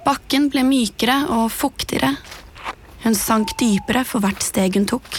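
A woman narrating a scripted horror story in a hushed, suspenseful way, often dropping to a whisper. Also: fairly high pitch, a little hiss or hum. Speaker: podcast narrator. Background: music.

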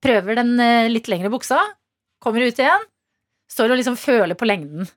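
A woman hosting a morning radio show, chatting casually and telling lively anecdotes. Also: fairly high pitch, no echo, clean studio sound. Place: radio studio.

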